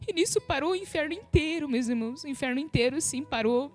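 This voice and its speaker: A woman's voice: sits high, lively intonation, quick pace, darkish tone, soft background music. A woman giving an emotional spiritual testimony on a live stream, often turning to her listeners as brothers and sisters. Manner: emotional retelling, repeats "sabe, meus irmãos". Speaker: guest giving a religious testimony.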